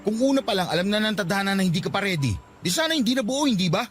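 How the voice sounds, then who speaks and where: Isang lalaking gumaganap sa dramang pag-ibig sa radyo bilang nasaktan at mapait na batang nobyong iniiwan, puno ng panunumbat. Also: male voice, sits high, very animated, rapid-fire, a bit bright, a little hiss or hum. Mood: wounded, reproachful. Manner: wounded, reproachful. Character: hurt, bitter young boyfriend being dumped. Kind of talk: radio romance drama acting.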